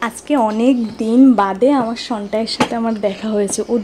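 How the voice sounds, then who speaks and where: A woman's voice: on the high side, fairly even intonation, a little fast, background noise. A young woman narrates a personal vlog casually, chatting straight to her viewers with little tag questions. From rural Tripura, India. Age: young adult. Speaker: vlogger.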